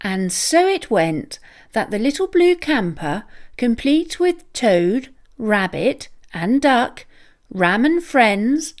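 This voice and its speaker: A woman narrates a children's storybook in a highish, expressive voice. She takes it very slowly, with lots of lift and fall in a sing-song read-aloud style.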